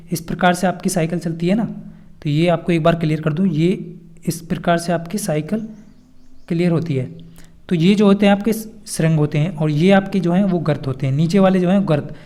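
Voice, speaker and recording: A man's voice: high-pitched, warm tone. A man teaching an exam-prep lesson, reading out quiz questions and explaining the answers with repeated key points.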